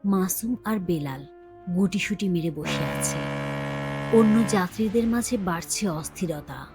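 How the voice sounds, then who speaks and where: A woman's voice: lowish voice, expressive, normal speed, vocal fry. A woman narrator reading a scripted horror story. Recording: prominent music bed behind voice.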